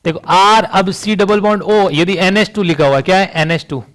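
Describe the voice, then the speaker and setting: Man, chemistry teacher, classroom lecture, higher voice, rhetorical questions. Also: fairly even intonation, normal speed, fairly bright tone. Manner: rhetorical questions, frequent "समझ रही बात?".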